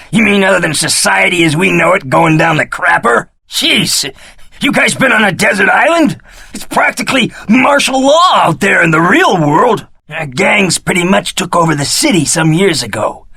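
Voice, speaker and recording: Nervous game convict, wildly swinging pitch, creaky, stammering, wheedling, slangy. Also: male voice, pushed and bright, no room sound, heavily acted. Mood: cynical. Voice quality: raspy, creaky. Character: jittery, cowardly, wheedling male prisoner, cynical and eager. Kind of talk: video game character acting.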